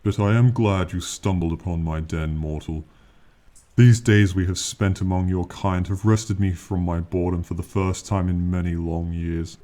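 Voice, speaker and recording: Man voicing a very deep, lofty ancient dragon. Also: steady tone, mellow, natural voice. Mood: condescending, fond. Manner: slow, formal, lofty, archaic phrasing. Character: ancient, proud, powerful male dragon, condescending yet fond. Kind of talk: ASMR fantasy roleplay monologue.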